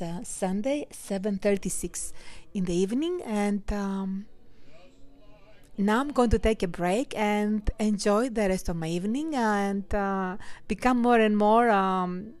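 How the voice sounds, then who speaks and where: Slow, relaxed woman hosting a podcast. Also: medium pitch. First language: not English. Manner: relaxed and unhurried, with fillers and small laughs. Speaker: podcast host. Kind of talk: casual holiday podcast with jokes. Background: soft Christmas music.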